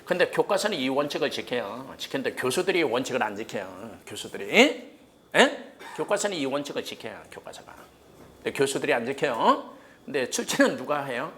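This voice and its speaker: A man teaching exam prep history in a cram school lecture room, firing questions at students and answering them himself, blunt and joking, with casual rough slang. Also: medium pitch, big pitch swings, fairly quick, sharp tone, a little hiss or hum.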